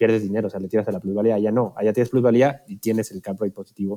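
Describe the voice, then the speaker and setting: This man's voice sits fairly low, with a dark, mellow tone and fairly even intonation. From Mexico City. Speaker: podcast co-host. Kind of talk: casual chat.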